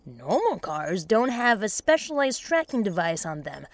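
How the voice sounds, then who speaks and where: An actress playing a scrappy, sweary woman engineer in an audio drama, muttering to herself in an animated, exasperated way. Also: medium pitch, normal speed, dry recording. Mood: tense, accusing.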